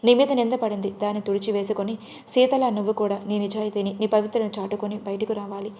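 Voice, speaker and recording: A stern, commanding older man who sides with his new daughter-in-law, as a woman storyteller reads him. He speaks firmly and raises his voice to be obeyed. The voice sits at an ordinary middle pitch for a woman. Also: level tone, quick pace, warm tone, close to an everyday voice. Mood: firm, reassuring.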